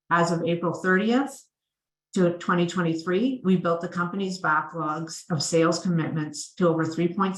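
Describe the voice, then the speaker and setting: A woman finance executive giving a prepared, formal, measured presentation on an earnings call. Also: sits low. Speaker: chief financial officer presenting results. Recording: roomy, echoing sound.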